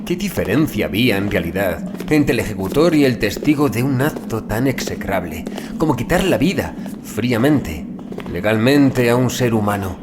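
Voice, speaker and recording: A man reading a scripted horror story as an audiobook narrator, in a grave, deliberate dramatic manner with drawn-out phrase endings. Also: medium pitch, big pitch swings, background noise. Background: music bed.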